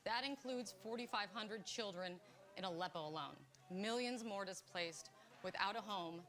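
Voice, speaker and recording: A woman delivering a broadcast news report in a measured, solemn way. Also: medium pitch, fairly bright tone.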